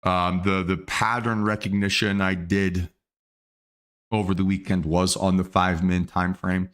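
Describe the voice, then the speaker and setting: A man with a deep, level, slightly bright voice hosts a day trading livestream, speaking unhurriedly. He casually reasons aloud through his trades in live market commentary, with fillers and restarts, while battling the hiccups.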